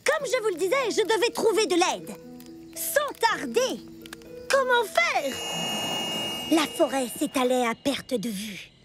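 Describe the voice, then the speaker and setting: A woman's voice: very high-pitched, very animated, takes it slowly, long pauses, over music, full character voice. A woman voicing a plucky cartoon girl scout who tells a tall adventure tale in a theatrical, exclamatory way. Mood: dramatic. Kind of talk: dramatic cartoon storytelling.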